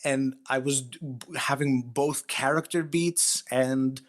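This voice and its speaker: A man's voice: mid-range voice, steady tone, takes it slowly. Man chatting casually as an interview guest. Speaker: guest author. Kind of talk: casual interview chat about writing.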